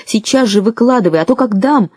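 A woman's voice: on the high side, animated, brisk, darkish tone, slightly rough, no room sound, clean studio sound, voice pushed up. A woman reading the lines of an angry father threatening his daughter in an audiobook. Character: furious shouting father of a girl.

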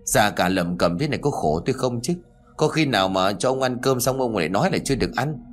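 A man voicing an exasperated elderly village wife who scolds her forgetful husband in rapid bursts of complaint. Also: medium pitch, animated, soft background music, close to an everyday voice. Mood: lamenting. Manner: nagging, rapid-fire complaining.

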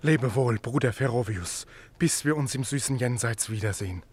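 An actor playing a meek, pious Christian martyr in a radio play, pleading mildly and earnestly. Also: male voice, mid-range voice, moderate pace, darkish tone, breathy edge, close to an everyday voice. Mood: resigned, gentle. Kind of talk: German radio play acting.

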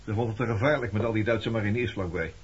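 A man's voice: on the low side, fast, husky. An actor playing a reserved, evasive former resistance man in a Dutch radio play, talking in a guarded way. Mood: reflective. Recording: muffled, noisy old radio recording.

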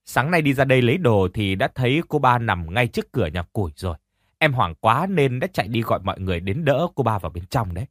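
A man voicing an anxious young household servant explaining quickly and nervously, in an audiobook reading. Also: medium pitch, very animated, no echo, studio quality.

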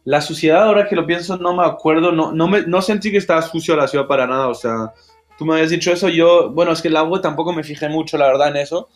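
A man's voice: on the high side, quick pace, soft background music. A young adult man with a Mexican accent, co-hosting a casual podcast chat, slangy and dropping English phrases. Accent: Mexican Spanish. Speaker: podcast co-host.

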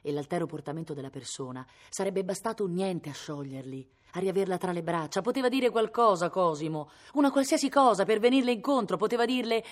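A woman's voice: lowish voice, expressive, a little fast, hardly any pauses. A woman from Italy reading a novel aloud expressively, her voice rising with the drama. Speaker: reader.

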